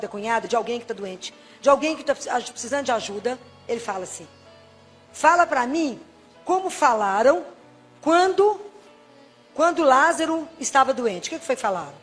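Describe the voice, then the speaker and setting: A middle-aged Brazilian woman preaching a Catholic sermon to a congregation, telling stories and putting questions to her listeners. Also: high voice. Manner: lively, storytelling, asks the audience questions.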